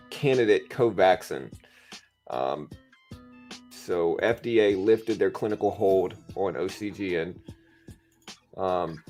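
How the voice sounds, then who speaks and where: A man with a raspy voice hosting a live trading stream, talking to chat in a laid-back, slangy way. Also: fairly low pitch, darkish tone. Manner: laid-back, slangy, addressing viewers as bro. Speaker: livestream host, stock trader. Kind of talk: casual live market commentary with chat. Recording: music playing behind the voice. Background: music.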